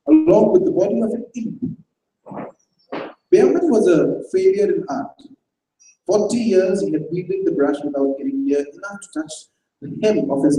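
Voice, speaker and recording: A man reading a short story aloud on stage in a dramatized reading, with measured storytelling. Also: sits high, warm tone, slight background noise. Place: festival stage, hall. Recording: echoey hall from far off.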